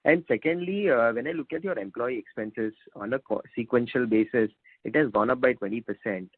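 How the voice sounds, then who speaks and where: A man with an Indian accent putting questions as an analyst on an earnings call, halting and repeating himself. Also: mid-range voice, slightly rough, no room sound. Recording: narrowband phone line.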